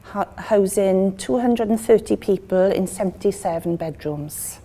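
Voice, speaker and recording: A woman in her fifties with a Welsh accent, telling an interviewer her story in an earnest, halting way. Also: medium pitch, mellow. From Wales. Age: 50s. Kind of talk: documentary interview.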